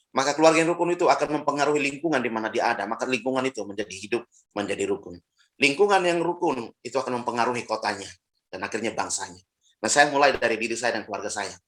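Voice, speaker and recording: A middle-aged pastor from Timor-Leste preaches a storytelling sermon. He acts out other people's voices as he goes, his pitch jumping high and dropping low, and he breaks into laughter often. His voice sits in a middle register. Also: a bit bright.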